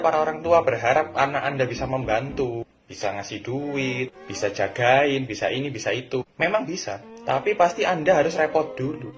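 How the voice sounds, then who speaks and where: A man's voice: medium pitch, highs cut off. A man giving casual, direct advice and lecturing parents in a monologue. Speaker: video creator.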